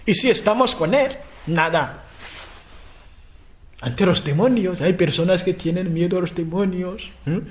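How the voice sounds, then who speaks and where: A man from Africa preaching a sermon, speaking in halting phrases, restarting and repeating words, often checking in with his listeners. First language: a language of his homeland. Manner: chanting repeated proclamations with rising pitch.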